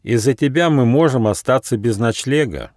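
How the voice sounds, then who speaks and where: A man's voice: mid-range voice, moderate pace, dry recording, clean studio sound, pitched above the performer's own voice, lightly acted. A man voicing a wise, stern little gnome in a children's storybook. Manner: calm, stern, knowing.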